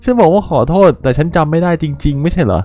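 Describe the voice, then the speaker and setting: Naive young rookie soldier, earnest and eager, read by a man, animated pitch. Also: fast talker, faint music behind. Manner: earnest, reading game lines aloud.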